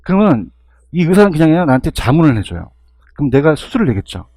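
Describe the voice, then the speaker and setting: Husky, animated male exam lecturer. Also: a little high, fast, dry recording, studio quality. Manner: constant rhetorical questions and check-ins to students.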